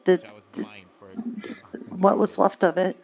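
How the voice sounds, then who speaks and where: Low-pitched woman in earnest, measured roleplay. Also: steady tone, vocal fry, a little mellow. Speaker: roleplay streamer playing a character. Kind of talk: improvised in-character roleplay conversation.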